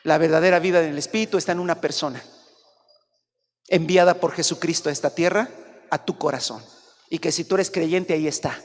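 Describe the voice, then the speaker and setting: A man preaching a sermon as pastor, acting out little dialogues in animated voices that rise to shouts. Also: fairly high pitch, a little fast, pauses often. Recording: long hall reverb.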